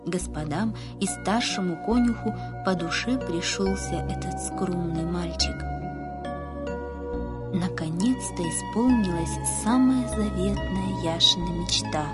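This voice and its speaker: A woman narrating a Christian children's story in a calm, unhurried way. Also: on the low side, loud music behind the voice.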